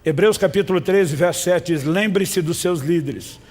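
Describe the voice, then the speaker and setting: A man's voice: sits high, moderate pace, darkish tone, in a large hall. A man from Brazil preaching a sermon as pastor, emphatic and calling on the congregation to respond.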